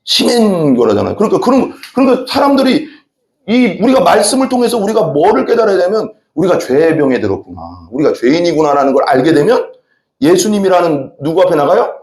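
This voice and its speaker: A man preaching from the pulpit with a fairly high, very lively voice that swings up and down as he makes his points. He keeps turning to the congregation with questions. The sound rings around a roomy church sanctuary. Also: fast. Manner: animated, talks directly to the congregation with frequent questions. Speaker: pastor. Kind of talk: sermon. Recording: echoey church hall.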